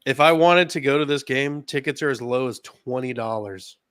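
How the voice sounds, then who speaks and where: A man's voice: medium pitch, moderate pace, a bit bright, smooth, no echo. Southern male co-host, easygoing, reads stats loosely, dry close sound. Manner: laid-back, reads injury lists with hesitations. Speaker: podcast co-host. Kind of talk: casual sports chat.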